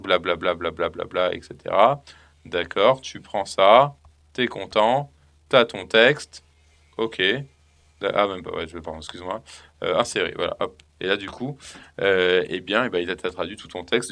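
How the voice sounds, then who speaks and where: Low-voiced man rambling through a tutorial. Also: a bit bright. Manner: rambling, thinking aloud with many fillers. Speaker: software trainer. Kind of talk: casual screen-recorded tutorial.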